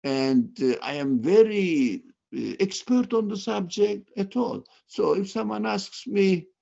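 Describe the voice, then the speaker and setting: A man with a heavy Turkish accent and Turkish as his native language talks informally and haltingly, repeating words, over a video call. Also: sits high, expressive, vocal fry, dark tone. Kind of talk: informal sharing in a study group. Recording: dull, muffled online call audio.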